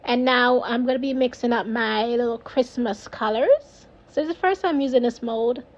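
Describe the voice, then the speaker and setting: A woman's voice: on the high side, normal speed, lo-fi sound. A woman with a Jamaican accent casually narrating her own craft video, rambling and laughing at herself. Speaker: resin crafter, video host.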